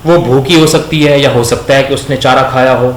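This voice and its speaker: A man teaching a grammar lesson, asking questions and slowly repeating words for his students. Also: medium pitch, fairly even intonation. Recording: echoey room with faint background noise.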